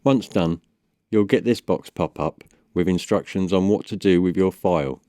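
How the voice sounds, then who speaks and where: A man with a low-pitched voice presents a step-by-step software guide. His delivery is measured and instructional. The sound is dry, with very little room in it. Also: dry recording. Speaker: tutorial presenter. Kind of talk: step-by-step software tutorial voice-over.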